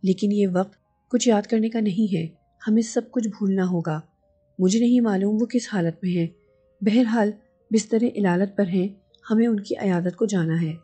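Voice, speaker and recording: A woman voicing a young husband, calm and reassuring, with gentle, steady dialogue reading. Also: medium pitch, moderate pace, husky, soft background music, lightly acted.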